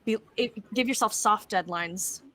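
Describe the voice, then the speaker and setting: Very bright-voiced woman giving practical advice. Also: mid-range voice, unhurried. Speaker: panelist, voice actor and writer. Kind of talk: casual advice on a panel.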